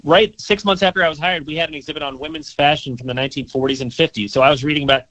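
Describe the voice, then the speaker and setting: Young male museum guide, quick-paced and eager, dry close sound. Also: on the high side, steady tone, fairly bright tone, dry recording, rough recording. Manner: eager, enthusiastic, repeats words when rushing. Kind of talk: interview answers.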